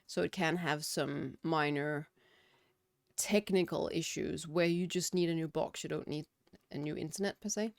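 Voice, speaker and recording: Her low, gravelly voice keeps a steady tone and a moderate pace as this Danish game streamer chats casually at her home computer. She reads chat questions aloud and answers them in a room with windows and curtains. The sound is studio-clean, with no room sound.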